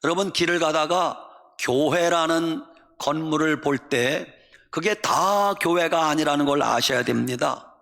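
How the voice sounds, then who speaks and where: Bright-voiced male pastor preaching in a reverberant church. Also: on the high side, a little slow, gravelly. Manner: emphatic preaching with rising, sing-song peaks. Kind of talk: sermon. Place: church sanctuary. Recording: long church hall reverb.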